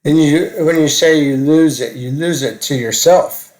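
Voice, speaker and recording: A man in casual, reflective conversation, halting and tentative as he searches for words. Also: fairly high pitch, darkish tone, low-quality recording.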